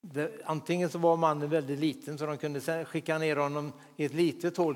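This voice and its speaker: A man preaching a sermon with fervent delivery, repeating hallelujah between points and dropping into whispered asides. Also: on the high side. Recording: long hall reverb.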